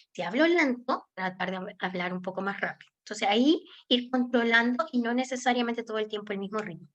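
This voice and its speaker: This woman has an ordinary speaking voice, pitched fairly high, moving at a fairly quick pace with lively intonation. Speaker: workshop presenter. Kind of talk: lecture.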